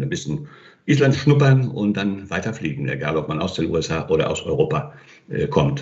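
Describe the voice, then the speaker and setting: A man with an Icelandic accent, fairly low in pitch, with very wide pitch swings and a fairly quick pace. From Iceland, Reykjavik. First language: Icelandic (speaking German). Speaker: journalist and airline communications manager. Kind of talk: interview.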